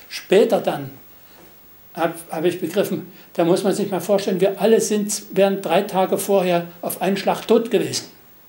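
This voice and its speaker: Speaking with a high pitch and a dark, mellow tone, a man keeps a moderate pace and fairly even intonation. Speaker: war witness. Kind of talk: testimony. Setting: interview. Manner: halting.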